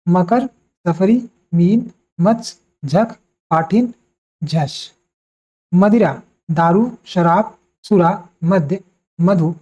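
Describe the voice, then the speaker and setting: A woman teaches an exam-prep vocabulary lesson, naming words one after another at a slow, deliberate pace. Her voice is mellow and soft-edged. The recording sounds dull and lo-fi. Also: mid-range voice.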